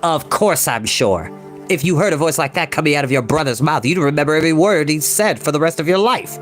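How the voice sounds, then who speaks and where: A man reads as an earnest schoolboy in a storybook. He recounts events informally in long run-on sentences, with lively swings in pitch. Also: fairly quick, faint music behind, close to an everyday voice. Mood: resentful.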